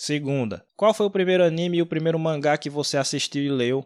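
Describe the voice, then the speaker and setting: A man speaks at a fairly quick pace, his pitch fairly high with ordinary variation. The sound is dry and close with no echo, on a very clean recording with a silent background. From Brazil, interior of Bahia (Sobradinho). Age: 20s. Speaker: anime YouTuber. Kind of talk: Q&A video, casual talk to viewers.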